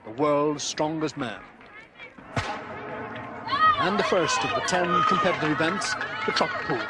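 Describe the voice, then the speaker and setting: A male sports commentator narrates the struggle with vivid, emphatic phrasing. His voice sits a bit high and leaps up at the peaks. A loud crowd and heavy outdoor noise fill the background. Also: expressive, a little slow. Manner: vivid, emphatic, rising pitch at climaxes. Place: outdoor strongman event.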